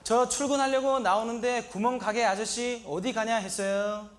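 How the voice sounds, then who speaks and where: A naive, earnest young migrant worker with a Sri Lankan accent and a strikingly high voice. He talks in short, broken sentences in a comedy monologue and breaks into a shouted, indignant catchphrase. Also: fairly even intonation, moderate pace, a faint crowd. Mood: plaintive. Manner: broken, simple Korean sentences.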